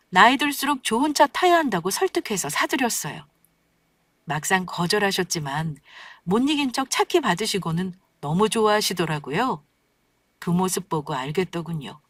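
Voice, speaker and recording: A woman's voice: medium pitch, fairly bright tone, no room sound. A woman narrating a scripted true-life story in a wry, pointed way, voicing her own lines too.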